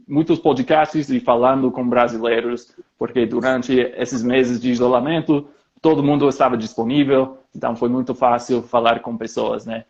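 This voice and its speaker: A man with as his chats steadily in Portuguese. His voice is middle-pitched. The sound is dull and lo-fi, as if through a modest mic. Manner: steady, asks his partner questions. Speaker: co-host, polyglot. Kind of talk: casual chat.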